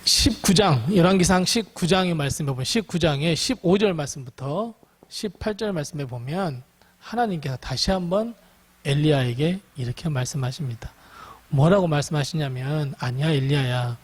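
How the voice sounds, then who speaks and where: A male pastor leads a Bible study with a high, bright-sitting voice. His pitch swings widely as he preaches, and he acts out dialogue with lively energy. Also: moderate pace, breathy edge.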